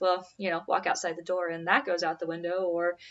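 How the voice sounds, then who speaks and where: A fairly quick pace from a woman's voice. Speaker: energy healer and meditation guide. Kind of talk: guided meditation talk. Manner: fast; hesitant with fillers.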